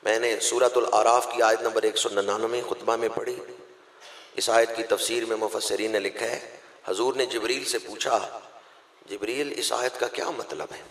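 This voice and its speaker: A man with a Pakistani Punjabi accent preaching a sermon, swinging between loud impassioned outbursts and quiet explanation. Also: mid-range voice, steady tone, moderate pace, slight background noise. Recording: echoey long reverb of a hall.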